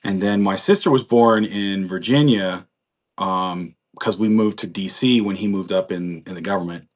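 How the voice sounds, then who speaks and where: This live-chat guest, an American in his forties, has a low voice and talks at normal speed. He shares his life story chattily and rambles, laughing frequently.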